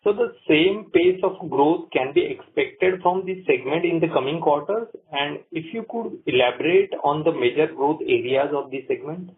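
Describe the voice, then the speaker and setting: A man's voice: fairly high pitch, normal speed, hardly any pauses. A man with an Indian accent asking questions as an analyst on a conference call, polite, wordy and hesitant. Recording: narrow phone line.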